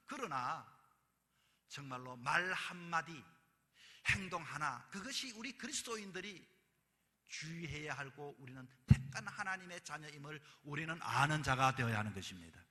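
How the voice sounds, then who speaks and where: Bright high-voiced male pastor preaching. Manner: emphatic preaching with sudden loud bursts. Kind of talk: sermon. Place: church sanctuary. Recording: long reverb of a church hall.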